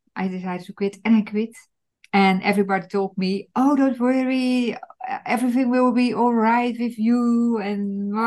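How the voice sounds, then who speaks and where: Fairly slow speech in a Dutch accent, with ordinary pitch variation and a quiet background. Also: woman. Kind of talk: casual interview.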